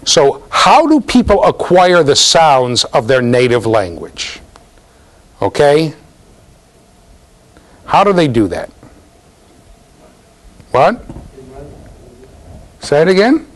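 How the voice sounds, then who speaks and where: Speaking slowly with long pauses in a voice on the high side, a middle-aged lecturer questions his university students throughout an interactive class. He's lively and gestures as he talks, broadcasting from a bookshelf-lined office connected to a classroom.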